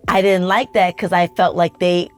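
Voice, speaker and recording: Low-voiced woman in thoughtful chat. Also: fairly even intonation, moderate pace, faint music behind. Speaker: podcast co-host. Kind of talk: casual family chat.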